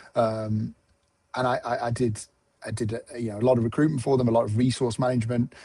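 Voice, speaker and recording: A man talks at a very fast pace and medium pitch. His tone is dark and mellow, and somewhat breathy. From English West Midlands (Dudley, near Birmingham). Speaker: recruitment business founder. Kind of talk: interview. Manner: energetic; conversational with fillers.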